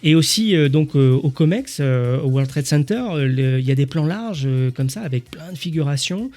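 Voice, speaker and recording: Mellow-voiced man reviewing films. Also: on the high side, lively intonation, normal speed. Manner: hesitant, lots of "euh" and "en fait". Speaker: podcast co-host. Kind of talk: film review discussion.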